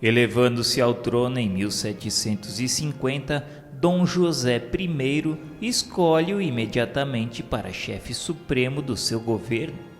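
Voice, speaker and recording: A man's voice: medium pitch, measured pace. A Brazilian man reads a scripted radio novela narration in a solemn, formal, declamatory manner. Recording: long reverb, music behind. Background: music.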